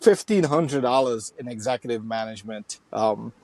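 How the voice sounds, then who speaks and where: A man's voice: mid-range voice, expressive, normal speed, crowd noise. A middle-aged man from Trinidad and Tobago, a nonprofit founder speaking as a guest in a casual interview, with many fillers and restarts.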